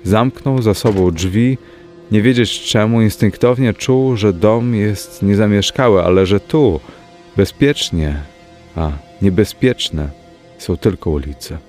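A man reading a ghost story aloud as a measured audiobook narrator, dropping to a hush in places. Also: on the low side. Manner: slow, measured storytelling with hushed dips. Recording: faint music underneath.

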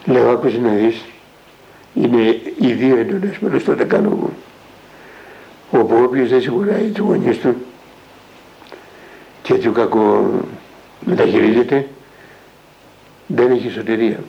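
Older monk guy spinning a story, gravelly voice, keeps going "i say, he says", kinda dull old radio sound. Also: medium pitch, sing-song, pauses often. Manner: recounts dialogue, with constant "I say, he says" tags. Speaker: Athonite elder monk. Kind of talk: spiritual storytelling talk. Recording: dull lo-fi radio broadcast recording.

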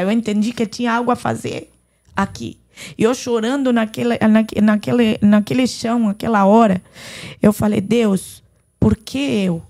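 Woman with a gravelly voice. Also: medium pitch, darkish tone. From Lebanon. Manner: earnest storytelling, retelling dialogue. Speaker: podcast guest. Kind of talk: personal faith testimony.

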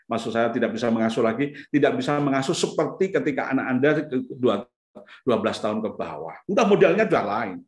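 A man's voice: mid-range voice, fairly quick. Man lecturing in an echoey room. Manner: conversational, many fillers like "gitu ya"; acts out parents and children in lively bursts. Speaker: lecturer on the brain and parenting. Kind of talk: casual seminar talk.

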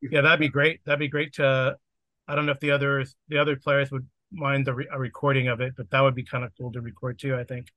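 A game master and podcast host runs a tabletop game from his home setup over a video call, chatting casually and rambling with lots of fillers and restarts. His mid-range voice is level in tone, fast, pushed and bright, with no room sound.

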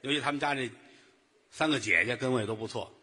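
A man doing comic crosstalk on a theater stage, a rapid teasing storyteller who delivers jokes deadpan. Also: mid-range voice, slightly rough. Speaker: lead crosstalk comedian.

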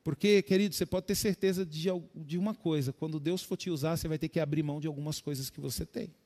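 High-pitched Brazilian pastor preaching passionately. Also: male voice, fairly even intonation, fast, a little mellow. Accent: Brazilian Portuguese. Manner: preaching with sudden rises in pitch and volume, addressing "queridos". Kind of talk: sermon.

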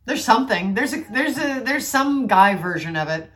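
A woman's voice: a little high, expressive, normal speed, a bit bright. A woman co-hosting a casual podcast with her husband, frank and teasing, swearing now and then. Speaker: podcast co-host. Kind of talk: casual couple banter.

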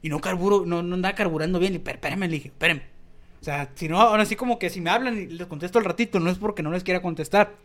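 Very fast and a bit bright, his voice sits high as he co-hosts the podcast. The young Mexican-accented man tells a slangy, expletive-filled story that drifts all over the place in relaxed chat.

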